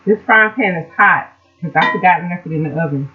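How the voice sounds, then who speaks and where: A woman's voice: lowish voice, a little fast, over music. A woman hosting a casual cooking vlog, chatting and explaining each step as she cooks. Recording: dull lo-fi home video sound.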